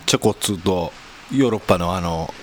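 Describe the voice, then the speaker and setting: A man hosting a podcast in casual chat, relaxed and teasing, with a light lilt. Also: low-pitched, fairly quick. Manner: relaxed, teasing, lively banter. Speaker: podcast host. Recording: faint hiss.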